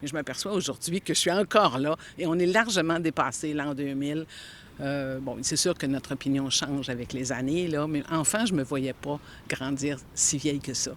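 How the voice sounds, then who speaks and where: The pitch of this woman's voice is very deep and low. She speaks at a moderate pace. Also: ordinary pitch variation. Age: 70s. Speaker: interviewee. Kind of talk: interview.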